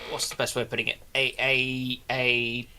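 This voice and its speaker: A man's voice: mid-range voice, completely flat delivery, moderate pace, sharp tone, slight background noise. A man speaking as a panellist in casual chat, hesitant as he searches for his words.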